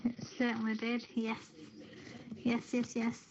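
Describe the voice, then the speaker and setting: A woman's voice: on the high side, completely flat delivery, takes it slowly. A woman co-hosting in casual chat, gushing and repeating herself for emphasis. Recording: dull, lo-fi audio.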